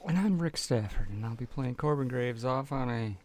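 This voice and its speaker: A man's voice: medium pitch, lively intonation, moderate pace. A man who plays on a podcast, joking around casually. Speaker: podcast player.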